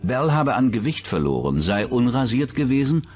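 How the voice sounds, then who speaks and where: A man's voice: mid-range voice, sing-song, moderate pace, darkish tone, lo-fi sound. A man reading scripted narration for a true-crime documentary.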